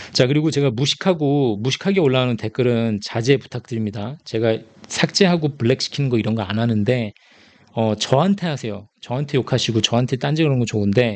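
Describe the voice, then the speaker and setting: Talking fairly quickly, a man uses medium pitch with ordinary pitch variation. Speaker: economics YouTuber. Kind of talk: casual monologue. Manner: speeds up near time limit.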